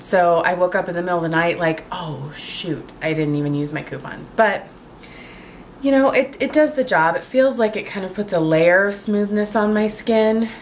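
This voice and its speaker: A woman vlogging casually to camera at home, chatty and full of fillers, her voice a little raspy from a cold. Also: on the low side, a little hiss or hum. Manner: chatty, lots of fillers and likes. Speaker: beauty vlogger. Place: home, indoors.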